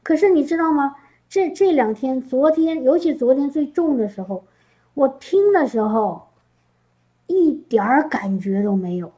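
A woman's voice: high-pitched, lively intonation, unhurried, dark tone, muffled recording. A woman giving an emotional spoken testimony to a congregation, often repeating herself and asking listeners questions. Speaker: church speaker. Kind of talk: testimony sermon.

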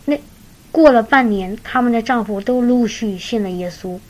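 A woman's voice: a little high, moderate pace, poor audio. A woman preaching, telling a faith story in an earnest way and often repeating words as she goes. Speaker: preacher sharing a testimony. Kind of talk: sermon-style storytelling.

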